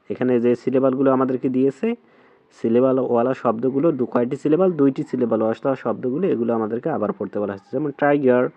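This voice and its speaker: A man's voice: medium pitch, dry recording, muffled recording. Patient Bangladeshi man teaching a lesson. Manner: slow, patient, repeats and splits English words into syllables. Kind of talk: textbook lesson explanation.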